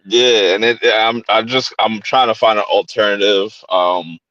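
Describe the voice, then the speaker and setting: A man hosts a horror podcast in easy, slangy talk, often repeating a phrase for effect. His voice sits on the low side. The recording sounds dull and dry, like a home setup with a muffled mic. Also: fairly even intonation, measured pace, pushed and bright, dry recording. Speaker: podcast host. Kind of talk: casual chat. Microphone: home streaming setup.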